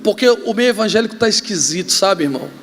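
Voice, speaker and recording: A man with a Brazilian accent, a pastor preaching a sermon, joking and telling stories with sudden shouts. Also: high-pitched, quick pace, slight background noise. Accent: Brazilian Portuguese. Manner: joking, animated storytelling with shouts. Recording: reverberant hall, faint ambience.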